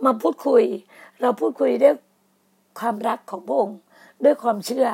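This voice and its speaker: A woman talks at a fairly high pitch. Her voice carries vocal fry. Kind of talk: religious talk / devotional show.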